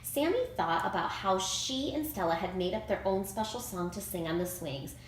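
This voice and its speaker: Animated woman reading a storybook, roomy sound. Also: medium pitch, normal speed. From United States. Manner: expressive, emphatic storytelling for children. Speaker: children's author reading own picture book. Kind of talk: read-aloud storybook narration. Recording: roomy echo, clear background noise.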